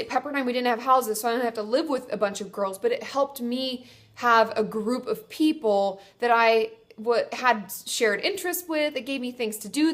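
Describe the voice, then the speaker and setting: Stuffy-nosed woman giving friendly advice. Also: fairly high pitch. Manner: chatty, reassuring, self-correcting with fillers. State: congested, stuffy nose. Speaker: therapist answering viewer questions. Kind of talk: casual advice vlog.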